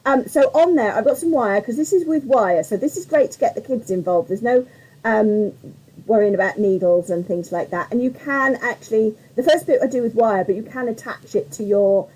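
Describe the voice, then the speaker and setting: A woman with a slightly croaky voice hosting a live craft tutorial, chatting in a rambling way and greeting viewers by name. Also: fairly high pitch, moderate pace, darkish tone, rough recording.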